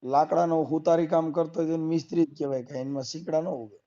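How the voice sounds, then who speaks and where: Speaking quickly in a steady, dark-toned voice on the high side, a man with a Gujarati accent is locked in a heated phone argument. He won't let up, pressing every point with rhetorical questions, and the recording sounds muffled and lo-fi.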